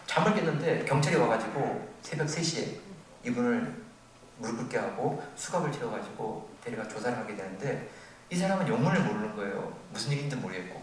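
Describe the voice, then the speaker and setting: An older man preaching a sermon as a pastor, telling a story with animated, acted-out quotes. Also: mid-range voice. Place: church sanctuary. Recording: very echoey, distant from the mic, faint noise.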